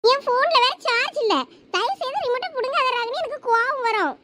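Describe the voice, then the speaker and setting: A woman voicing a sharp-tongued, short-tempered young college girl in an animated comedy. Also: very high voice, slight background noise, full character voice. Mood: irritated. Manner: scolding, irritated, fast and threatening.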